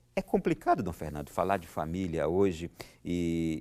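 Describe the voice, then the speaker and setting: The man's voice is very deep and low, with a dark, mellow tone. His pitch varies in an ordinary way. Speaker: TV host. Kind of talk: scripted narration; interview.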